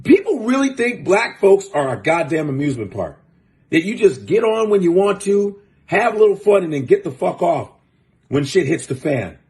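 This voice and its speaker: A man's voice: sits high, very animated, moderate pace, a little mellow. A man hosting a show, giving blunt, profane, fired-up commentary in casual talk. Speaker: host.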